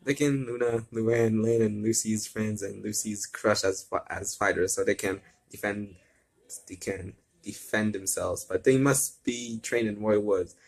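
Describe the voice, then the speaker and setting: Man reading as solemn low-voiced commanding father. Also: fairly even intonation, unhurried, creaky, poor audio.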